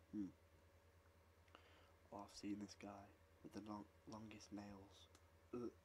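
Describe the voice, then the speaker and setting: A soft-spoken man whispering at a fairly slow pace, relaxed in tone, with long, frequent pauses. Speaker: ASMR content creator. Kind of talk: ASMR book reading, casual talk. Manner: whispered, soft-spoken, relaxed.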